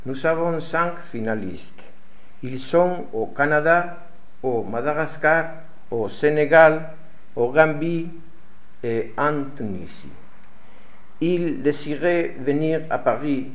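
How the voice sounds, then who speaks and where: Slow-reading man, fairly high voice. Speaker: language student reading aloud as presenter. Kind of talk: halting read-aloud of a lesson script.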